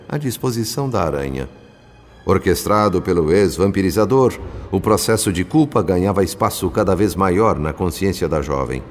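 An actor playing a solemn spirit narrator in a radio drama, with grave, formal, literary delivery. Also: male voice, deep voice, darkish tone. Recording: long reverb with music behind. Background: music.

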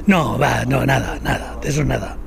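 A man's voice: medium pitch, normal speed, vocal fry, crowd noise. An older man, plain-spoken and repeating himself in a casual street interview. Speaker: former builder being interviewed.

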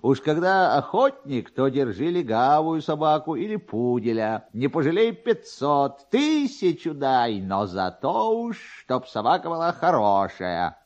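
A man's voice: mid-range voice, very animated, measured pace, few pauses, voice pushed up. A man voicing a garrulous, opinionated servant in a dramatised classic story, confiding and emphatic. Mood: chatty, emphatic. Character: chatty, opinionated male servant in livery. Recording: dull, band-limited archive radio recording.

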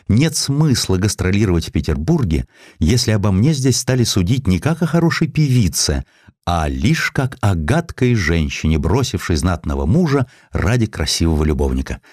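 A proud, passionate opera diva, as a male narrator puts her on in an audiobook. The lines are declaimed theatrically, with sweeping intonation in a low register, recorded dry. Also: big pitch swings, normal speed, a little mellow, dry recording. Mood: wounded, resolute. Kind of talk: audiobook character acting.

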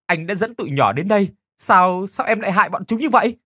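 A man's voice: high-pitched, lively intonation, fast talker, pushed and bright, no echo, clean studio sound, exaggerated voice. A man voicing a guilt-stricken male teacher who pleads and stammers, in a horror audiobook. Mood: pleading.

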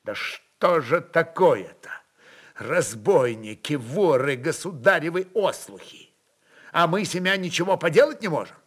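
Guy playing a fired-up young prince, outraged, loud and high, story drama. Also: animated, unhurried, husky, exaggerated voice. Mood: indignant. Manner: agitated, youthful, declamatory. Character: indignant, hot-headed young male prince.

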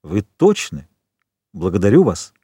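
A man reading as a calm gracious nobleman. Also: on the low side, a little slow, husky, dry recording, heavily acted. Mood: warm courteous. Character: composed, gracious older nobleman count.

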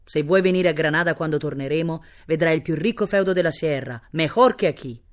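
A woman's voice: low-pitched, a little fast, natural voice. A woman voicing a jovial, generous Spanish prince in exile, insistent and mixing Spanish into the speech, in a storybook reading. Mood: genial, inviting.

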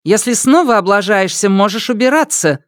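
Man putting on a shrill spoiled teen girl. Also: expressive, normal speed, dry recording, clean studio sound. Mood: scornful. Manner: shrill, mocking and scornful. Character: spoiled, furious rich teenage girl. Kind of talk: audiobook character voice.

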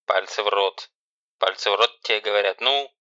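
A man voicing a stern, sarcastic older sister who gives loud, harsh commands. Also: mid-range voice, normal speed, no echo, close to an everyday voice. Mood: harsh commanding. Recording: dull lo-fi recording.

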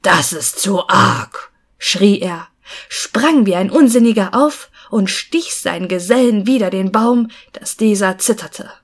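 Slow, calm woman reading a fairy tale. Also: medium pitch. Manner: calm, deliberate storytelling. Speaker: audiobook narrator.

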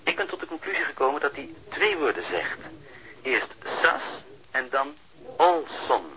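Bright-voiced, fussy male sound technician. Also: a little high, sing-song, moderate pace, poor audio. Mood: fussy, matter-of-fact. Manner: hesitant, pedantic, explains step by step. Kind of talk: radio drama acting.

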